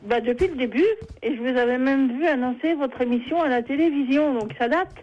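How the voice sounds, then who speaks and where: Chatty woman phone-in caller, higher voice. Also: a little fast, highs cut off. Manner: chatty, easygoing, laughs often. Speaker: caller to a late-night radio show. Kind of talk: casual phone chat with the host.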